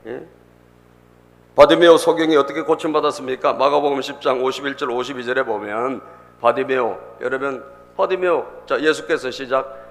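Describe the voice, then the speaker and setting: A man's voice: medium pitch, moderate pace, fairly bright tone. A male pastor delivering an emphatic sermon, repeating phrases and calling out to the congregation in a church sanctuary. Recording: long reverb in a church hall.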